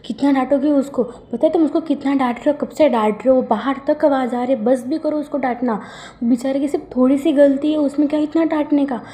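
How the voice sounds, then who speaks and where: A woman voicing a calm older brother who gently reproaches his younger sibling. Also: sits high, fairly quick, voice pushed up, lightly acted. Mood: reproachful. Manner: pleading, reproachful.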